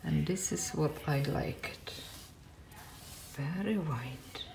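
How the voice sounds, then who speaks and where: A woman's voice: low-pitched, creaky, noisy background. A woman with a Polish accent, a non-native English speaker, chatting casually while she repairs and paints in a small tiled laundry room, filmed on a phone. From Poland. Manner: slow, plain, non-native English with dropped words. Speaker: DIY vlogger. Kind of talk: casual home-renovation commentary.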